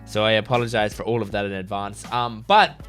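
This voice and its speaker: A man who runs an anime reaction channel, talking casually to his viewers while sick, so his voice is gravelly and raspy and he coughs, rambling with many fillers and bursts of excitement. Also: on the low side, brisk, soft background music. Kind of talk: casual chat to camera, reacting to an episode.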